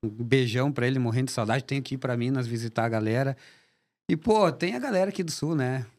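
A man, a former footballer as a podcast guest, telling stories in an animated way and laughing often. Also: medium pitch, fast talker. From southern Brazil. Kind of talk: casual podcast chat.

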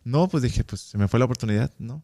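Young Mexican man, casual interview guest, lively storyteller who acts out quoted lines. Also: mid-range voice, fast talker. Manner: animated, acts out quoted dialogue.

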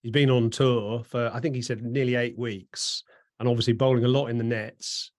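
A man's voice: mid-range voice, level tone, normal speed, a little mellow. A man with an English accent hosting a conversational interview, asking chatty, rambling questions. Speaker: interviewer and host.

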